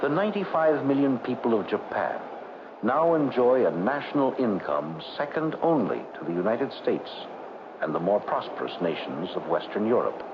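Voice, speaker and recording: A man narrating a scripted 1960s educational documentary in a measured, formal delivery. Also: medium pitch, sing-song, background noise. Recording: dull vintage 1960s film soundtrack. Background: background music.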